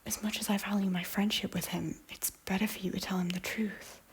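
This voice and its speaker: A woman playing a guilt-ridden former queen of Scotland in an audio drama, speaking earnestly and solemnly in a breathy, hushed voice. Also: mid-range voice, level tone, a little fast. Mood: gentle, sad. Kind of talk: intimate audio drama acting.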